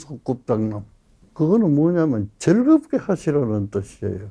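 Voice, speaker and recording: This man has a dark, mellow tone and a fairly high pitch, talking at a fairly slow pace. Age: 80s+. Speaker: psychiatrist, professor emeritus. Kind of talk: motivational talk to camera.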